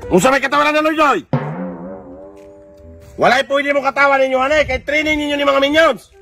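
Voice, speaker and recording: A man's voice: very high voice, brisk, gravelly, bright, forceful tone, soft background music, full character voice. A Filipino man with a Visayan accent playing a strict, mocking cadet training instructor in a comedy skit, bossy and teasing.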